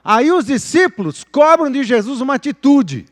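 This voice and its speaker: High-voiced pastor preaching in a reverberant church. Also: male voice, moderate pace. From Brazil. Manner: expressive preaching, drops to a whisper at times. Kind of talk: sermon. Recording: live church recording with long reverb.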